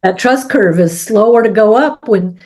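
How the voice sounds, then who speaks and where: A middle-aged woman co-hosts a relaxed business talk despite a head cold, explaining her arguments with examples from farming and sports and regularly asking "right?". Her mid-range voice has a darkish tone and a moderate pace.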